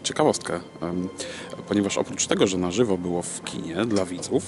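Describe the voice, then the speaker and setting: A man in his thirties talking casually to his camera as a vlog host, often halting to search for words. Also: low-pitched, animated. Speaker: video host. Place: large empty cinema auditorium, indoors. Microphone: camera at arm's length.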